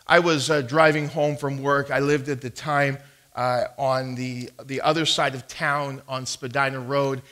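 A man's voice: mid-range voice, little pitch movement, measured pace, fairly bright tone. A man, preaching a sermon as a pastor and telling a personal story, emphatic, with frequent restarts. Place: church sanctuary.

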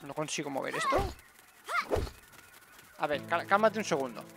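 Man, high lively voice, gravelly edge, game commentary. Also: normal speed, over loud music. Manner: excitable, talks to viewers as "gente". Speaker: gaming streamer. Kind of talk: let's play commentary.

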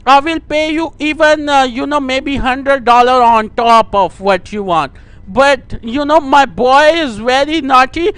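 A man with a South Asian accent and a strikingly high-pitched voice makes a prank call. He talks slowly and haltingly, repeating himself politely. The sound is dry and close. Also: fairly bright tone, clean tone, no echo. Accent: South Asian English. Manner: halting, repetitive, deferential. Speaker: prank caller. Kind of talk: staged phone conversation.

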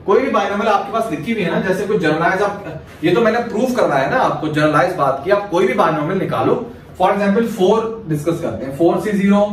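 Guy from pakistan teaching a maths class, asks stuff then answers it himself, booming echo, faint noise. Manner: steady step-by-step explaining. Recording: very echoey room, mic far off, faint hiss.

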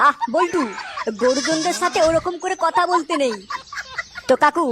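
Woman voicing a high, cheeky cartoon prankster. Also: moderate pace, background noise. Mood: falsely polite. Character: cheeky, scheming young prankster with fake politeness. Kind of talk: comedy cartoon voice acting.

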